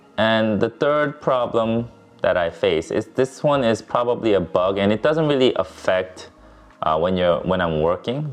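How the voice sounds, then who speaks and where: Music plays behind a man who talks at a fairly slow pace with lively intonation. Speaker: photographer. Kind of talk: casual talk to camera. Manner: halting, some stuttering.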